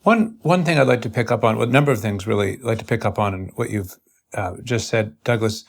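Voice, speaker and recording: A man speaking as an interviewer in an intellectual conversation, earnest and deliberate, often halting and repeating phrases. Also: lowish voice, gravelly. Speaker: interviewer in a long-form conversation.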